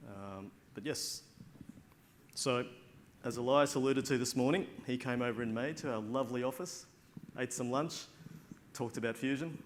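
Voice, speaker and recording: A man's voice: mid-range voice, normal speed, pauses often, a little hiss or hum. An Australian man speaking at a tech conference, chatty and informal, with many fillers and restarts, on a stage microphone. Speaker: conference speaker, data platform lead. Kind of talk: conference talk.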